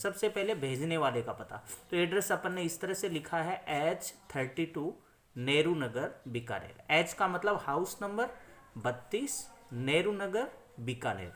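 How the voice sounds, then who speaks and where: A man teaching in a classroom style, repeating points, asking questions and answering them himself, and slowing down for English phrases. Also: fairly high pitch, a bit bright. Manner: switches between English phrases read slowly and explanation. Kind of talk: classroom-style lesson explanation.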